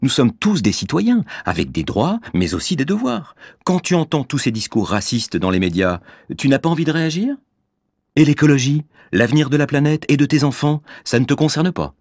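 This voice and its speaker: A man argues insistently in a scripted dialogue, his pitch swinging widely as he presses his point. The sound is close and completely dry. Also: sing-song, moderate pace, a little mellow, dry recording. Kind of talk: scripted dialogue for a language exam.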